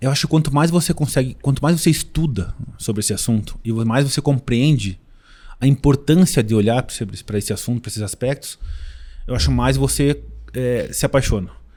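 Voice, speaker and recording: At a fairly quick pace, a man speaks at medium pitch in a somewhat breathy, dark and mellow tone, with ordinary pitch variation. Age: young. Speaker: corporate sustainability director. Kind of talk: podcast interview.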